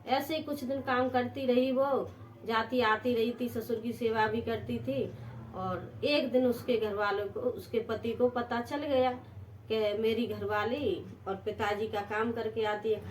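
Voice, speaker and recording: A woman with a Hindi accent tells a homely folk story in a fairly high voice. She retells it plainly, looping back and repeating herself as she goes. A faint hiss sits under the recording. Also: fairly even intonation, measured pace. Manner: unpolished spoken retelling with repetitions.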